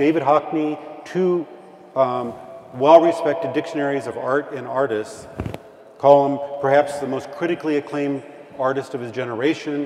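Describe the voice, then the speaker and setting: A man with an American accent, fairly high in pitch, at a moderate pace with ordinary pitch variation, over noticeable background noise. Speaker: optical scientist and professor. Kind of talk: lecture.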